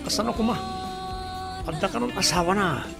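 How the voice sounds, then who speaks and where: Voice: mid-range voice, fairly quick, vocal fry, natural voice. An actor playing an eager, flirty gay waiter in an Ilocano comedy radio drama, with a playful, exaggerated delivery. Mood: gossipy. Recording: radio drama with music behind.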